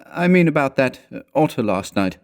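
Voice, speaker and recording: A grave, fearful man from a storybook , acted out by a male reader. His voice is pushed up higher and is full of intense foreboding. He sounds fatalistic, as one who has accepted that danger is coming. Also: very animated, moderate pace. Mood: uneasy, insistent. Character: grave, frightened, fatalistic male canoe companion. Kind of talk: storybook character dialogue.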